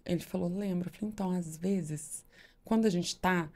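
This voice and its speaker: A woman co-hosting a podcast, telling a family story with lively acted-out dialogue in casual chat. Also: lowish voice, normal speed. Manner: animated storyteller, acts out dialogue. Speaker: podcast co-host, mother.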